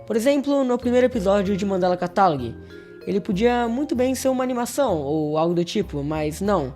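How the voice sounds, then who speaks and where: Mellow Brazilian video essay narrator. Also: medium pitch, lively intonation, brisk, faint music behind. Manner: informal, conversational, addressing viewers directly. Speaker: host of a horror review channel. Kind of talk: casual video essay commentary.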